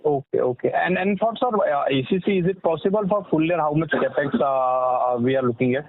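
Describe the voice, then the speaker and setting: A man asking questions as a financial analyst on an earnings call, polite and halting, often repeating words. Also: on the high side, no echo. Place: telephone conference call. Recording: dry, narrow phone line.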